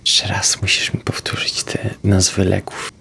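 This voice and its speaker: A man whispering as Nikita, hushed and gravelly. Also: low voice, completely flat delivery, a little slow, exaggerated voice.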